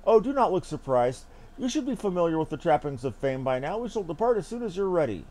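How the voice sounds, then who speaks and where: A man's voice: a little high, very animated, fast, dark tone, voice pushed up. A man voicing a formal, courteous young noble commander from a fantasy game, with eloquent old-fashioned diction. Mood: brisk, cordial. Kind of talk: reading fantasy game dialogue aloud in character.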